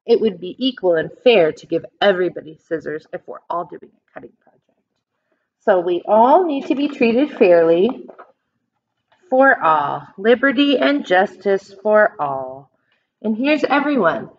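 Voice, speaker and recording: Female American primary teacher for a children's read-aloud: highish voice, very lively intonation, simple explanatory delivery with stressed key words. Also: dull audio, slight background noise. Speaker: elementary school teacher.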